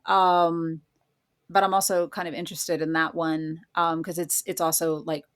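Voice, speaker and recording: A woman's voice: low-pitched, flat delivery, normal speed. A woman speaking casually as a guest writer in an interview.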